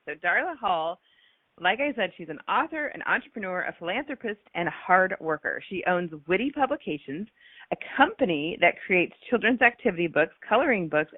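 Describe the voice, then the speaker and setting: A woman's voice: mid-range voice, dry recording. A woman hosting a radio show, her voice a little scratchy from a cold, introducing her guest enthusiastically with frequent ums and uhs. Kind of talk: scripted guest introduction and chat. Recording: tinny phone-line sound.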